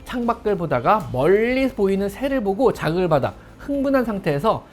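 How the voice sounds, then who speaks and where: Lively, fast-talking veterinarian host. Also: mid-range voice, faint music behind. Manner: emphatic, stretches phrase endings with a drawn-out "요". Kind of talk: explanatory pet-care talk to camera.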